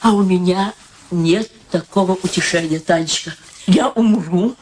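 An older woman acting in a radio play as a frail, anxious elderly mother near death, plaintive and dramatic with drawn-out pauses. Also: fairly low pitch, close to an everyday voice. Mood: mournful, resigned. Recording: steady background noise.

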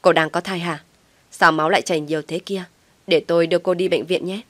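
A woman voicing a kind, steady young man who speaks calmly and reassuringly. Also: on the low side, fast talker, dry recording, lightly acted. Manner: calm reassuring, a little teasing.

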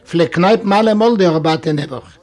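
A man reads a classic story aloud in a fairly high voice. His telling is expressive, and it rises into animated exclamations when the characters grow heated. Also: a little fast. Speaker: reader.

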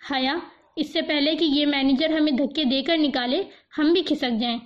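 A woman's voice: high voice, fairly even intonation, close to an everyday voice. A woman reading as a bold young friend. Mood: reassuring. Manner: bold, reassuring. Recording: dull lo-fi recording.

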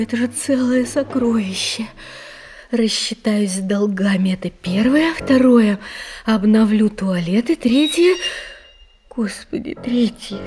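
A woman's voice: on the high side, a little mellow. An actress playing a plucky, penniless but educated young woman in an audio drama. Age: young adult. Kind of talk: theatrical audio drama acting.

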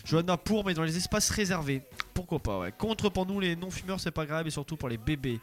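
A man's voice: on the high side, animated, brisk. A man hosting a casual radio call-in show, joking, teasing and rambling between listener messages.

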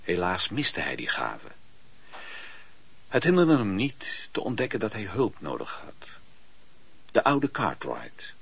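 A man reading scripted literary narration for a radio play, with a husky voice and a measured, expressive storytelling delivery. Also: lowish voice, no echo. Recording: muffled, dull, dry radio play recording.

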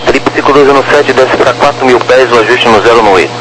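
A man's voice: mid-range voice, fairly quick. Brazilian male controller over noisy walkie-talkie radio. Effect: walkie-talkie style aviation radio. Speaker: air traffic controller. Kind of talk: procedural radio communication. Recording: noisy two-way radio transmission.

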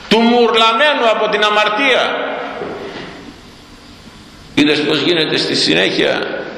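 A man's voice: fairly high pitch, pushed and bright, very echoey, in a large hall, low-quality recording. A man preaching a sermon, emphatic and repeating key words for effect.

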